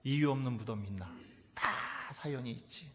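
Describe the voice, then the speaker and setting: A middle-aged male pastor preaching a sermon in a church, asking rhetorical questions and answering them, swinging from loud exclamations to near whispers. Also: medium pitch, moderate pace. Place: church sanctuary. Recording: echoey church hall reverb.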